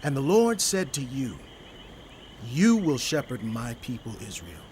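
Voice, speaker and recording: A man's voice: mid-range voice, wildly swooping pitch, unhurried, a little mellow, a little hiss or hum. A male actor playing an earnest tribal elder pledging loyalty in a dramatized scripture, solemn and declamatory.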